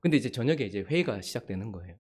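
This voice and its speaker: A male pastor giving a sermon, telling a personal story in a lively way and acting out the people he quotes. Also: on the low side, very fast, breathy edge. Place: church.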